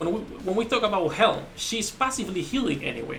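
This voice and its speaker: A man with a non-native accent speaks in a raised, projected voice at a high pitch and a fairly quick pace. Music plays in the background, and room echo is audible. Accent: non-native English accent, noticeable. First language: not English. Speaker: gaming content creator. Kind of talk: casual game review commentary.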